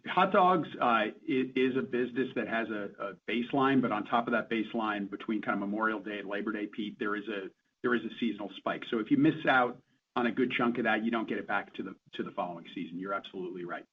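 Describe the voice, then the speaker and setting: A low-voiced man answers as a chief executive on an earnings call. His delivery is assured and explanatory. The audio is dull, with a little background noise. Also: quick pace. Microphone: conference call line. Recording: dull conference call line, faint noise.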